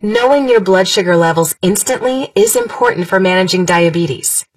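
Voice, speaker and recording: A woman's voice: mid-range voice, expressive, measured pace, no room sound, recorded from a distance. A woman reading a scripted radio commercial, persuasive, who repeats the phone number. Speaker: ad announcer.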